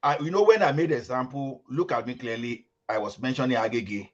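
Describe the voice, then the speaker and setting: A man from Lagos, Nigeria, making his point in a group discussion over a call. He talks emphatically and haltingly, repeating words and mixing in pidgin. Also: medium pitch. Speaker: discussion participant. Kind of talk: heated group chat on a call. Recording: muffled online call audio.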